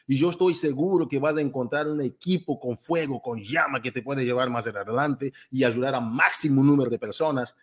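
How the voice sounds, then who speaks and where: A man's voice: a little high, breathy edge. A man, likely in his thirties, giving an emphatic motivational talk as a coach, speaking straight to his listeners and repeating his points. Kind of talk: motivational talk to a live audience.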